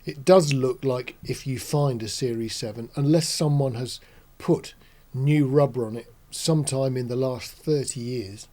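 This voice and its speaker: A man in his sixties with a soft, mellow voice talks casually to camera. He explains things in a measured, matter-of-fact way at a middling pitch, recorded in a small studio. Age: 60s. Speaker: host.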